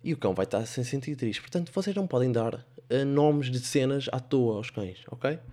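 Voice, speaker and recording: A man's voice: mid-range voice, animated, a little fast, warm tone. Sarcastic young man with a European Portuguese accent. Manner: sarcastic, rambling, playful. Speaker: podcast host. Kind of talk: comic storytelling monologue.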